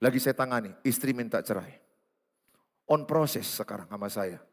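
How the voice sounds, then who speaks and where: A male pastor, preaching a teasing, animated sermon and acting out quoted voices. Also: mid-range voice, moderate pace. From Indonesia. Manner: lively, teasing, acts out quoted voices, swings between loud and hushed. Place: large church hall. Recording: long hall reverb.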